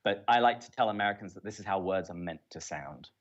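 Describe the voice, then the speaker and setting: Low-voiced man with a Southern English accent. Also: quick pace. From southern England. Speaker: interview guest. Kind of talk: casual conversational interview. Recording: dull, lo-fi audio.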